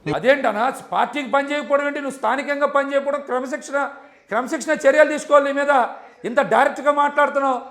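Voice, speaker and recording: A man's voice: very high-pitched, rapid-fire, a bit bright. A man in a heated political debate, combative and insistent, repeating his challenges over and over. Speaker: political party leader as debate guest.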